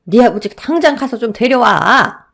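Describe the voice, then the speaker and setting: A woman voicing a fed-up middle-aged shopkeeper who scolds loudly about unpaid debts in a Korean audio story. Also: mid-range voice, very animated, moderate pace, vocal fry, pitched above the performer's own voice. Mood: scolding. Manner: loud, scolding, exasperated.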